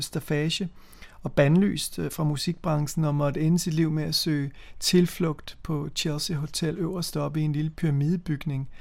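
Creaky-voiced Danish man, hesitant. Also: on the high side, darkish tone. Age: 50s. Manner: hesitant, repeats words while recalling memories. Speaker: co-host. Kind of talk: casual radio chat about music.

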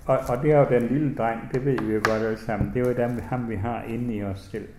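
An older man from West Jutland reminisces in a soft, reflective voice, pausing and restarting often. He then reads slowly and deliberately from his own book. His mid-range voice carries a clear echo from the room. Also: mid-range voice, steady tone, noisy background. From West Jutland, Denmark. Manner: gentle, reflective, halting, with restarts; slow, measured reading voice. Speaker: author. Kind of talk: personal memories, then reading aloud from his book.

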